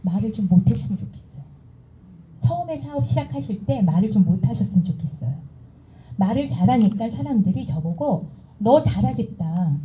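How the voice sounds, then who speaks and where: A middle-aged woman giving a motivational seminar talk, animated and acting out the dialogue she recounts to the audience. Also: a little high, fairly quick, poor audio. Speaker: seminar speaker.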